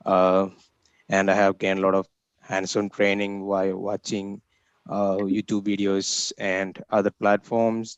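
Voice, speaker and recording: A man with a low, flat voice introduces himself earnestly for a mock interview, sometimes halting. The audio is dry and muffled, typical of a video call. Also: no room sound. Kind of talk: formal self-introduction. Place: home room on video call.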